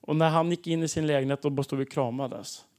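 A man preaching and telling testimony stories in a lively way, acting out the dialogue of the people in them. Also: fairly high pitch. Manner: animated, acts out dialogue in stories. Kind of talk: sermon testimony storytelling.

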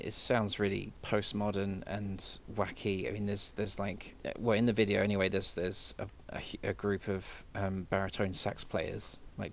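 An enthusiastic man with a lowish voice, chatting about music. He talks in an animated, chatty way, with a faint hiss of noise behind him. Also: vocal fry. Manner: enthusiastic, chatty, laughs easily. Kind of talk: casual chat.

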